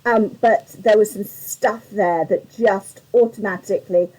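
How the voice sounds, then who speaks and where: A woman with a mellow, warm tone and a slightly croaky edge hosts a live craft demonstration. She talks in a chatty, rambling way, with plenty of fillers, and keeps greeting her viewers by name. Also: medium pitch, fairly even intonation, a little slow, rough recording. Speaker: craft tutorial host on a live stream.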